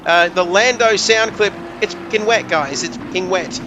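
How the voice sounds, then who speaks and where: A man's voice: high-pitched, moderate pace, background noise. A man commentating a sim race, joking and rambling with his co-host. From Australia. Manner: jokey, rambling banter with co-host.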